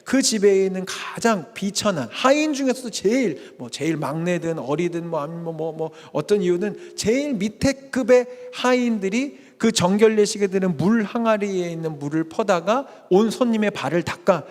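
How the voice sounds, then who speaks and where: A man preaching a lively sermon as pastor, acting out the people in the story with quoted asides. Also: high voice, normal speed, hardly any pauses. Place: church sanctuary. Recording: long hall reverb.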